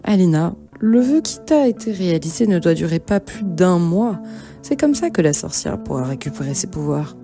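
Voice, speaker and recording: A woman's voice: on the low side, sing-song, moderate pace, vocal fry, mellow. A woman voicing a wise, grateful talking parrot in a cartoon fairy tale, explaining and reassuring. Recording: music behind the voice.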